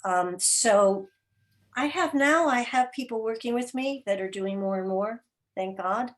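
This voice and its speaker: A woman speaking as an interview guest, explaining her production work informally in a halting, thoughtful way with searching pauses. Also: fairly high pitch. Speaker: interview guest, radio program and podcast producer. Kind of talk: informal spoken explanation at an online gathering.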